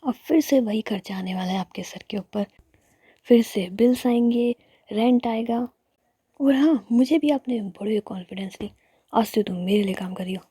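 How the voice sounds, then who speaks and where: A woman's voice: on the high side, moderate pace, mellow, slightly rough, dry recording. A woman telling a romance story in a whispered role-play.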